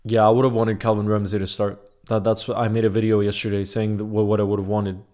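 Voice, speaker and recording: A man's voice: lowish voice, little pitch movement, fast talker, dark tone. A young man hosting a casual livestream, chatting and reading viewer comments aloud. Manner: conversational, often asks "you know what I mean". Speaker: livestream host.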